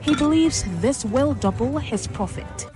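A woman's voice: high-pitched, lively intonation, measured pace. A woman with a Ghanaian accent narrating a scripted radio news report as the reporter. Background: music under the voice.

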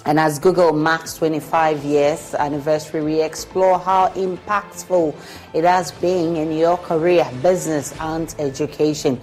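A Ghanaian woman reads the news in a measured, formal tone. Her voice sits low for a woman. Faint music plays beneath her. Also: little pitch movement, a little mellow. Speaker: news anchor. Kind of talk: scripted news reading.

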